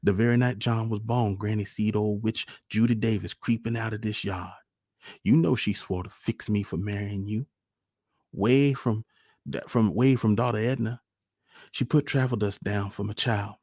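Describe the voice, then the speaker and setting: Man putting on a scolding Southern country mother, raised pitch. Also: fairly even intonation, normal speed, darkish tone, no room sound, studio quality. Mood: insistent, bitter. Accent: rural Southern US. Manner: scolding, insistent dialect speech. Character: small, wiry, superstitious, fretful country mother.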